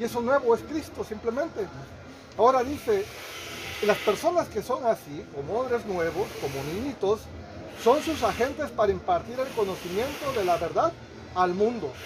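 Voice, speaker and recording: A man with a high pitch talks at a moderate pace, his pitch swinging very widely between long, frequent pauses. Noticeable background noise runs underneath. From Mexico. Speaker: preacher. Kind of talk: sermon. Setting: church. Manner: fervent, exhortative preaching, with frequent '¿verdad?' and amén; halting, repeating words.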